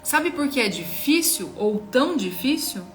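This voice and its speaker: A woman's voice: sits high, very animated, measured pace, faint music behind. A woman in her thirties with a Brazilian Portuguese accent, giving an earnest, emphatic devotional teaching and speaking straight to the listener.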